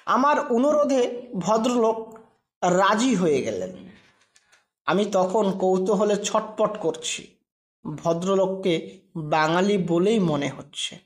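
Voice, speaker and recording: A woman reading a scripted story aloud as a narrator. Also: medium pitch.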